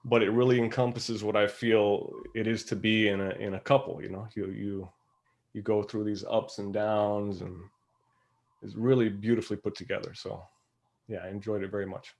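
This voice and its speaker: A man speaking as a guest actor in a casual panel chat, informal and halting, thinking aloud as he goes. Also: lowish voice, little pitch movement, a little mellow.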